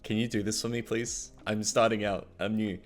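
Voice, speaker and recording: An interview host asking questions in a relaxed, chatty way, full of "like" and light laughs. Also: mid-range voice, moderate pace. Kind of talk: casual interview.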